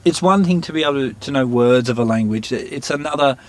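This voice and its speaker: A man telling stories in an interview, halting and searching for words, often laughing. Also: medium pitch, no room sound. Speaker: interviewee, musician. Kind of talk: casual storytelling interview.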